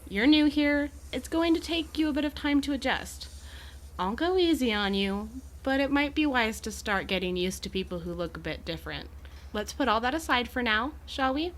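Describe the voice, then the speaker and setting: A woman's voice: fairly high pitch, expressive, moderate pace, lightly acted. A woman playing an amiable, poised Gorgon educator in an audio drama, with articulate, genteel and reassuring phrasing.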